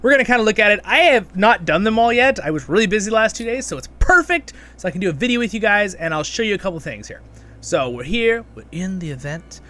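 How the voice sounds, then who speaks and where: A man's voice: high-pitched, sing-song, fast talker, pushed and bright. A man hosting a gaming channel, giving a casual, rambling gameplay guide and chatting to viewers as friends. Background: game background music.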